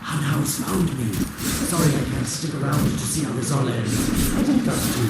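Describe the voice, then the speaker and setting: A man's voice: normal speed, lightly acted. An actor playing a sly, theatrical male villain in a video game, taunting with mock sympathy and sarcasm. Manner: sarcastic, mocking, teasing. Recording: echoing, distant, over loud game rumble.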